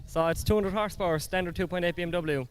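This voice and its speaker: Male driver, very fast talker, slightly higher voice, clear, technical. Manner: fast, matter-of-fact technical talk. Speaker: drift driver. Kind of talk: quick pit interview.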